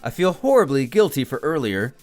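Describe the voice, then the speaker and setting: A man's voice: medium pitch, sing-song, brisk, lightly acted. A man voicing a courtly attendant to a god, formal, flowery and melodramatic, in a storytelling recap. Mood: apologetic. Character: courtly, theatrical male attendant of a war god. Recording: music behind the voice.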